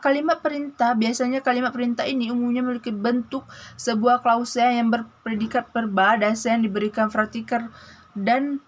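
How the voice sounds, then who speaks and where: Young woman reading a grammar lesson. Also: fairly high pitch. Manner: reads with frequent restarts and broken-off words; lists items one by one. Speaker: student presenter.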